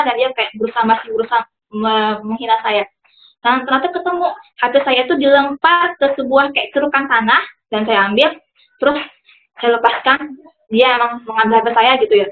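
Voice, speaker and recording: High-voiced young woman on a tinny line. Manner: chatty, personal storytelling with many fillers; mixes in English phrases. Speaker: speaker. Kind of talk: religious talk in casual storytelling. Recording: tinny phone-line audio.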